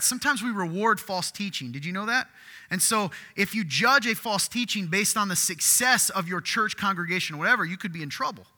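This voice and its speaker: A man preaching a sermon as pastor, with a deeper voice, talking conversationally and asking his congregation questions. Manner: excitable, conversational, asks the crowd questions. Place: church hall with congregation. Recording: long hall reverb.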